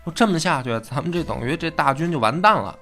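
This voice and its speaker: Man doing a cold snappy eunuch, quick and dismissive. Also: a little high, expressive, fairly bright tone, faint music behind, pitched above the performer's own voice. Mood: alarmed. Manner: curt, dismissive. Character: scheming court eunuch, cold and impatient.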